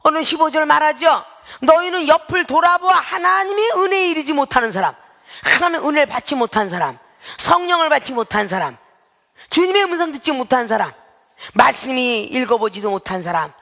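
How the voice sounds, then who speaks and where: A woman pastor delivers an emphatic sermon in a high, sharp voice with a gravelly edge. She keeps throwing rhetorical questions at the congregation. Her words ring out with a long church reverb. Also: lively intonation, fairly quick. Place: church sanctuary.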